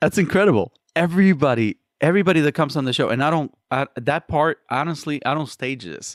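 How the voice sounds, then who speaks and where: In a Spanish accent, a man speaks very fast with a fairly high pitch, an animated tone and ordinary pitch variation, on a very clean recording with a silent background and a dry, close sound with no echo. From Cuba. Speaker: podcast host. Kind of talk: podcast interview. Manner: hesitant fillers.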